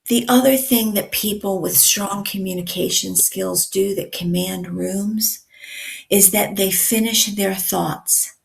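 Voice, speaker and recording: Woman communication coach, slightly raspy, unhurried and emphatic, gravelly edge. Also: medium pitch. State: raspy from yelling at a concert. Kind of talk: teaching to camera.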